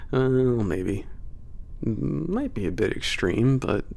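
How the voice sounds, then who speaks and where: Man acting as big sardonic werewolf trainer, low growly fry, lively swooping intonation, gruff yet caring, teasing, casual ASMR roleplay. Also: full character voice. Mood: explaining, reassuring. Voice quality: very low, gravelly voice. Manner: casual, sardonic, hesitant pauses, frequent chuckles and swearing. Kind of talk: ASMR roleplay audio drama.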